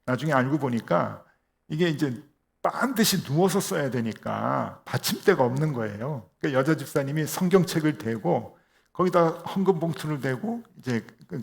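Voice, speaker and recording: Gravelly-voiced Korean male pastor. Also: medium pitch. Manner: conversational, acts out quoted dialogue. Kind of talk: storytelling sermon. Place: church sanctuary.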